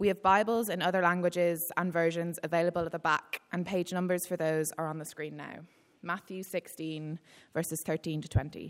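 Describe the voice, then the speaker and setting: A woman with an Irish accent, fairly low in pitch, at a fairly quick pace with flat, monotone intonation, on a very clean recording with a silent background. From Ireland. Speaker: scripture reader. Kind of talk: scripture reading aloud. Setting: church.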